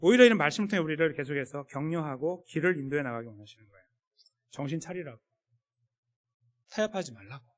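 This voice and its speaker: Guy preaching in a church, casual talky sermon, pitch jumps all over, big echoey hall. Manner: conversational, acts out quoted voices. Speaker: pastor. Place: church sanctuary.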